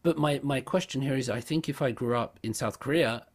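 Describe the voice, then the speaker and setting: A man's voice: medium pitch, brisk. Reflective man hosting a chat. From United Kingdom. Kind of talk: casual discussion.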